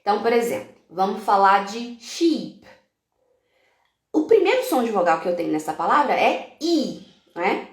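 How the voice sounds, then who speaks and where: A woman's voice: medium pitch, big pitch swings, moderate pace, reverberant. A woman teacher from Brazil giving a live-stream talk to other teachers, explaining classroom activities step by step and dropping in English example words.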